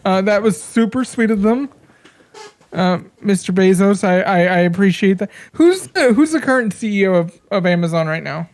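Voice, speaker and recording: A woman's voice: mid-range voice, moderate pace, a little mellow. A woman hosting a podcast stream, teasing her co-host in dry, mock-serious comedic banter.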